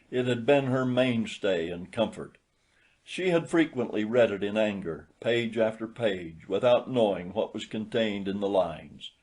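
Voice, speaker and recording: Measured male storyteller. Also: on the low side, a little mellow. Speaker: audiobook narrator. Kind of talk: scripted literary story narration.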